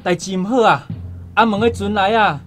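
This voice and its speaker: Brave young tribal lover, fairly high voice, Taiwanese accent, earnest, faint music behind, radio play. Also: male voice, normal speed, a bit bright. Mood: alarmed. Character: brave, protective young tribal man, the heroine's sweetheart. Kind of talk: radio drama acting.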